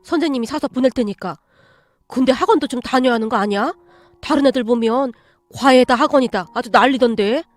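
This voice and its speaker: A woman voicing a quiet but protective male teacher who speaks earnestly, in a radio story reading. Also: high voice, fairly quick, no room sound, close to an everyday voice. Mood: caring. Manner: earnest, raising voice in defense.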